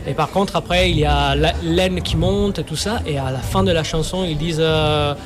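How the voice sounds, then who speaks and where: A man's voice: on the high side, moderate pace, crowd noise. Man searching for French words. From Sicily. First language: Sicilian. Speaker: musician guest. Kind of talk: radio interview.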